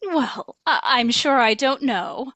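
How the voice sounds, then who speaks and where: A woman's voice: high-pitched, lively intonation, slow, fairly bright tone, full character voice. A woman playing an aloof, coy 1960s Broadway star with an affected, languid manner in an audio drama. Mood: coy, breezy.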